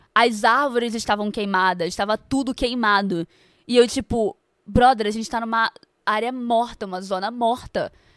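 In a plain, everyday voice, a woman speaks at a moderate pace and fairly high pitch with fairly even intonation, the sound dry and close with no echo on a very clean recording with a silent background. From Rio de Janeiro, Brazil. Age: 20s. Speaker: influencer and backpacker. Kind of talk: casual interview chat.

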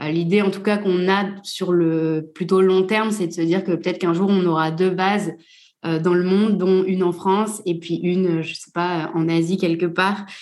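A woman talks at medium pitch and a moderate pace, her intonation monotone and flat. Audible room echo surrounds her voice. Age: 30s. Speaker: social media manager and digital nomad. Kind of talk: casual interview.

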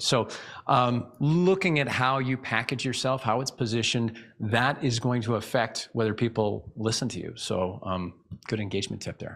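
Recorded very cleanly against a silent background, a man with medium pitch and ordinary pitch variation talks in an ordinary speaking voice. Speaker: magician and speaker. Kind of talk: interview.

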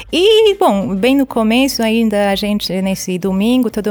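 A woman with a Hungarian accent, fairly high in pitch with ordinary pitch variation, at a moderate pace over noticeable background noise. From Transylvania, Romania (Hungarian minority), then Hungary. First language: Hungarian (speaking Portuguese). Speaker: entrepreneur. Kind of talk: casual interview chat.

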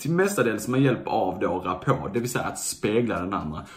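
A man speaks at a moderate pace with lively intonation and medium pitch. Audible room echo surrounds his voice. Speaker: YouTuber. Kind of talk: casual vlog monologue.

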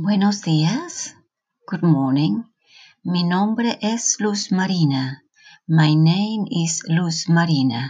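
Speaking at a very slow pace, a woman with a Spanish accent uses a fairly low, somewhat breathy voice and lively intonation. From Colombia. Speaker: language teacher. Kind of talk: language lesson.

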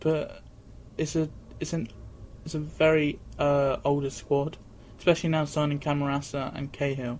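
A man with a southern English accent, fairly high pitch, a somewhat breathy voice, a moderate pace and long, frequent pauses. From southern England, Southampton. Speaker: football podcast co-host. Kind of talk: casual chat.

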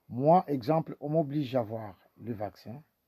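Somewhat breathy and dark, mellow in tone, a man speaks at a fairly slow pace with ordinary pitch variation, recorded dry and close with no echo. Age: 60s. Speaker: shelter resident. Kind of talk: interview.

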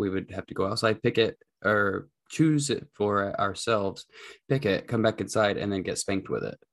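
Talking at a fairly quick pace, a man has an ordinary speaking voice, a fairly low pitch and ordinary pitch variation. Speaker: podcast co-host. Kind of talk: casual chat. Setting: video call recorded from home game room.

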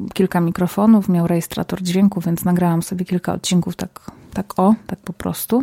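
A woman's dark, mellow voice comes through in monotone, flat intonation with a dry, close sound and no echo. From Poland, Silesia (Zabrze). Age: 30s. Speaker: podcast host. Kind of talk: casual solo podcast talk.

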